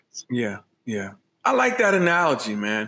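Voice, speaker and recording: This man's voice has a bright, sharp tone. His pitch swings very widely. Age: 50s. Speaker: podcast host. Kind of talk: interview. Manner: halting, repeats words; enthusiastic. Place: home room. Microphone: studio mic.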